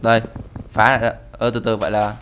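A man's voice: fairly low pitch, flat delivery, fairly quick, fairly bright tone, slight background noise. A young man giving playful Minecraft commentary, breaking into mock-dramatic wailing and pleading. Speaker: gaming YouTuber. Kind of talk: Minecraft let's play commentary.

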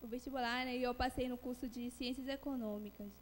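A woman student gives a hesitant self-introduction on an auditorium stage. Her voice sits a little high. The hall adds a long reverb, with a faint hiss underneath. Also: steady tone, brisk. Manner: hesitant, searching for words. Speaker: incoming student. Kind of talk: self-introduction at a welcome event. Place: large auditorium.

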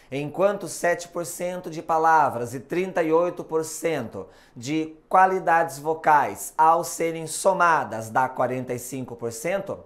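A man with a Brazilian Portuguese accent teaching a recorded video lesson on communication and hypnosis, speaking slowly and deliberately with clear emphasis. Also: a little high. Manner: slow, deliberate explanatory delivery with emphasis.

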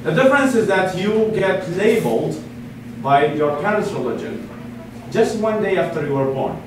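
Animated and pitched high, this man's voice moves at a moderate pace as he gives a public lecture as a guest speaker. In his twenties and from Iraq, he speaks earnestly from a podium to a seated meeting-room audience, frequently restarting phrases and using fillers. Captured by a podium mic from a far camera, the sound is echoey, distant and noisy.

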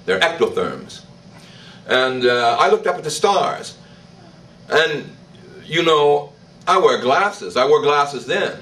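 An older man, a priest, preaching a sermon in church, slow and emphatic, with declarations that rise in pitch. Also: sing-song, bright, forceful tone, distant mic, rough recording. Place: church, indoors. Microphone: stand mic in front.

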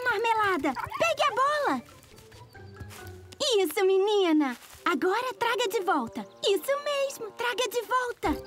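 A woman's voice: very high-pitched, pushed and bright, heavily acted. A woman with a Brazilian accent voicing a bubbly, easily exasperated young girl in a cartoon dub, emphatic, scolding and coaxing. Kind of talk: animated cartoon dubbing.

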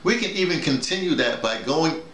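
A middle-aged man talks through his ideas as a workshop leader, with pitch that swings widely. He is emphatic, repeating words and acting out little examples. The sound is roomy, with some echo. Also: expressive, moderate pace, fairly bright tone, a little hiss or hum. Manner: emphatic, illustrating points with acted-out examples and repetition. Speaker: audio drama workshop leader. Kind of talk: animated informal discussion. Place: small bedroom with bare walls. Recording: roomy, echoey indoor sound.

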